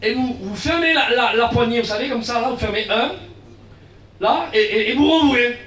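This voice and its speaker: A guest pastor giving a lively sermon, acting out little dialogues, shouting key lines and dropping into low asides. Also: male voice, normal speed. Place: church hall. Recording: echoey church from far off.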